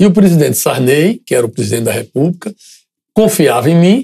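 Against a quiet background, the tone comes across dark and mellow. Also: man. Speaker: politician guest. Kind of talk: interview answer. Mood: relaxed, proud, upbeat. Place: studio. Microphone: studio mic.

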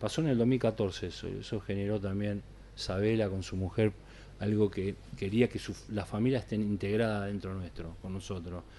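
The man's tone is dark and mellow. His intonation stays fairly even over light background noise. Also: fairly low pitch for a man, moderate pace. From Ciudadela, Buenos Aires, Argentina. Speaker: football team physiotherapist. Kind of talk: interview. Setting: radio studio. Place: studio. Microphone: studio mic.

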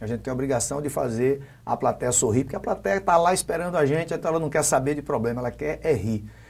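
A man talks very fast in a fairly high voice with vocal fry and ordinary pitch variation. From Brazilian Northeast, interior of Paraíba. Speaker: comedian. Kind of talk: interview. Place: studio. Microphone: lapel.

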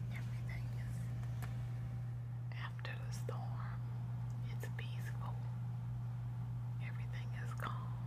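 Taking long, frequent pauses, a woman talks at a fairly slow pace. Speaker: ASMR creator. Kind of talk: ASMR narration of storm footage. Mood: peaceful, reflective. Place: garden. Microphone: phone near.

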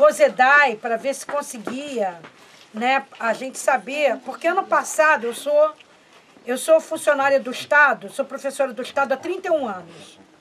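A woman's high-pitched voice at a fairly slow pace, ordinary pitch variation, light background noise. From Rio de Janeiro state. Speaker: teacher and council member. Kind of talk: council meeting debate.

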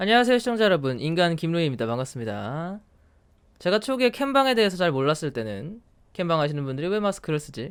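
A man with a high voice, very wide pitch swings and a very fast pace, on a very clean recording with a silent background. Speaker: gaming streamer / video creator. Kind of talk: casual monologue to camera. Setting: webcam video wearing a mask.

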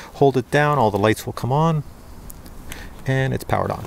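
The delivery comes at a fairly quick pace, with a dry sound, no echo and light background noise. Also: man. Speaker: drone reviewer. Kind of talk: tutorial. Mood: cheerful, amused. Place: garden. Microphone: lapel.

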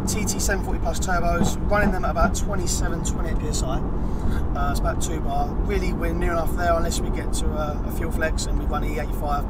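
Loud background noise surrounds a man speaking at a moderate pace. The sound is dry with no echo. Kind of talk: interview answer. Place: car. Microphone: camera far.

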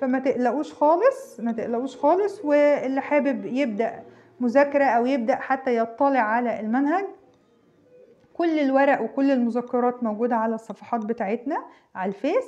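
Moderate pace and ordinary pitch variation in a dark, mellow tone. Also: woman, high pitch for a woman. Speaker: primary school teacher. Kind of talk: advice talk to parents.

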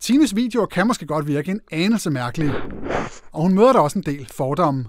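High-pitched male voice, fairly quick, with very wide pitch swings and noticeable background noise. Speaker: news video narrator. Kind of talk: news explainer narration.

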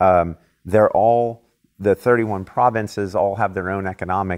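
Against a quiet background, a man speaks in a normal speaking voice with a fairly low pitch and fairly even intonation. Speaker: interviewee. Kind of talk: interview answer. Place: home room. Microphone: lapel.

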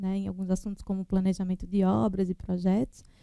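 A woman with a dark, mellow tone talks at a moderate pace, in a dry sound with no echo and a quiet background. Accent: northeastern Brazilian. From Alagoas, Brazilian Northeast. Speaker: architect and exam-prep teacher; course instructor. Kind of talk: lecture. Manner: halting, many fillers. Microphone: headset.

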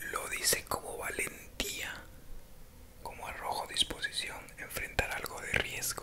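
Whispering at a fairly slow pace. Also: man. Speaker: content creator reading. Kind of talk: casual vlog chat. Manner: soft, close-mic ASMR speech. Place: home room. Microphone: studio mic.

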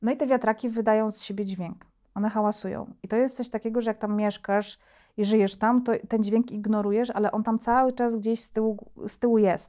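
A woman speaks in a fairly high pitch with a dark, mellow tone. Her delivery is monotone and flat, over a quiet background. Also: fairly quick pace. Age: 30s. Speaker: podcaster. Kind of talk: casual interview conversation. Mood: reflective, personal, calm. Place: studio. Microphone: lapel.

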